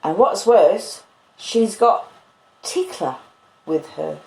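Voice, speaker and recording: Woman putting on a gentle, slow blacksmith, echoey room. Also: high voice, expressive, gravelly, exaggerated voice. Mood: confiding. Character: gentle, simple-hearted country blacksmith, a big childlike man.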